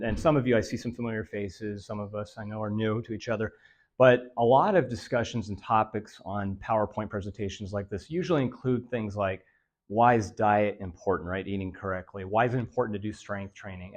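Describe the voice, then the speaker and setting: A man presenting a health lecture to seniors in a meeting room, his voice raspy and nasal and a bit dry from allergies, talking in a monotone with many fillers. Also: fairly low pitch. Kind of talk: live lecture to a senior audience.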